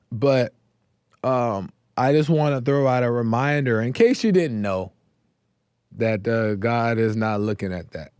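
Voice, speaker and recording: Male host of a faith call-in show, mid pitch, slow unhurried delivery, voice going hoarse, dry close sound. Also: darkish tone, no room sound. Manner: slow, reflective, with many fillers and repeated phrases. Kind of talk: casual devotional talk.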